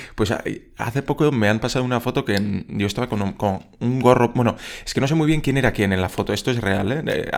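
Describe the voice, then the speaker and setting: A man's normal speaking voice, fairly quick in pace, at a medium pitch with ordinary pitch variation. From Basque Country, Durango. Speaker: actor. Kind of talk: interview. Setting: film festival.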